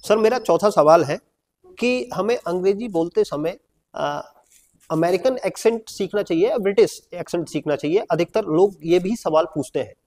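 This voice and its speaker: A man's voice: high voice, expressive, normal speed, darkish tone, a little hiss or hum. A man with an Indian accent interviewing a teacher, asking questions politely and deferentially. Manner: polite, deferential, addresses the host as sir.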